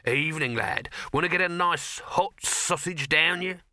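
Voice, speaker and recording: A man's voice: on the high side, measured pace, sharp tone, no room sound, studio quality, pitched above the performer's own voice, exaggerated voice. A man voicing a cheerful, conspiratorial sausage hawker in a storybook, with colloquial, wheedling sales patter.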